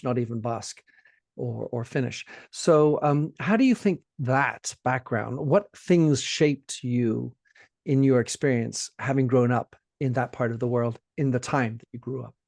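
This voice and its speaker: A man's voice: mid-range voice, darkish tone, no room sound, studio quality. A man hosting a podcast interview in a conversational way, with frequent restarts and repetitions. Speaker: podcast host. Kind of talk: casual interview talk.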